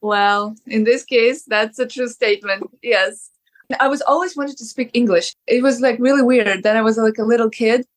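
A woman from Ukraine with a Ukrainian accent, an actress telling lively stories in an interview, often saying "like". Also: on the high side, moderate pace. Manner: lively storyteller, laughs often, many "like"s. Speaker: actress, guest. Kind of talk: casual interview.

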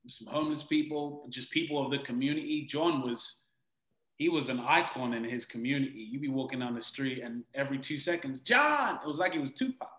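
A man's voice: medium pitch, brisk, echoey room, rough recording. A man from Britain with a British accent, an actor answering interview questions in an earnest, reflective way with frequent restarts.

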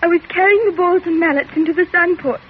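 A terrified young daughter, her voice trembling and tearful. It sits very high. The sound is thin and tinny with a faint hiss, like an old radio broadcast heard down a line. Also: fast. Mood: shaken. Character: frightened, hysterical young woman, trembling daughter. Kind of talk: 1940s radio drama acting.

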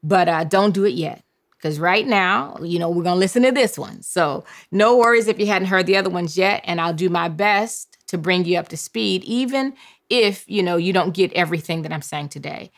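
A woman hosting a podcast Bible lesson, leading call-and-response memorization with drawn-out phrases. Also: lowish voice. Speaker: podcast host and Bible teacher.

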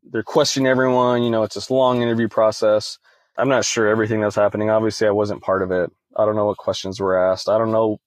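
A man's voice: lowish voice, level tone, fast talker, no echo. A young man speaking as a guest in a casual interview, retelling events conversationally and leaning on "you know" fillers. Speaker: podcast guest.

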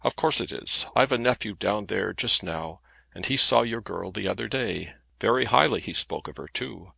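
A man's voice: lowish voice, animated, normal speed, gravelly, pushed and bright, breathy edge, dry recording, exaggerated voice. A man reading aloud gives voice to a cheery, talkative middle-aged male solicitor who speaks in a hearty, bluff way.

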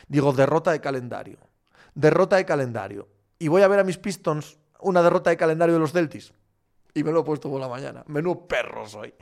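A man with an Asturian accent, a sports journalist casually answering viewer questions, animated and swearing freely. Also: on the high side. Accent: Asturian Spanish. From Asturias, Spain. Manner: animated, swears, acts out shouting fans. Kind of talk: casual live chat.

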